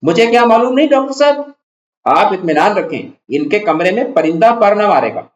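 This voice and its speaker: A man's voice: high-pitched, animated, voice pushed up. A man voicing a fussy, bossy middle-aged wife as he reads a play aloud in class, in a chiding, fretful manner. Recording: echoey room, dull lo-fi sound.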